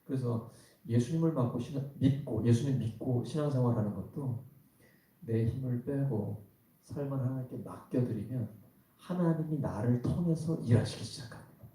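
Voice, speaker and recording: Mellow-voiced male pastor in an echoey hall. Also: medium pitch, moderate pace. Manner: conversational preaching with rhetorical questions to the congregation. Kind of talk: sermon. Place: church worship hall. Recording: very echoey hall, voice from some distance.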